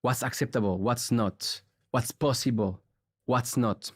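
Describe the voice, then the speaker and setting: A man from Switzerland hosting a podcast, speaking in a relaxed, reflective way and asking long questions. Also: medium pitch, unhurried, no room sound, studio quality. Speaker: podcast host. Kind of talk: interview conversation.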